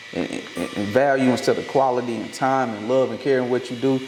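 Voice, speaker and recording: Over noticeable background noise, a man with an American accent talks at a medium pitch. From US South, Georgia (Fort Valley). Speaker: tattoo artist. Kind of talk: casual chat. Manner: animated.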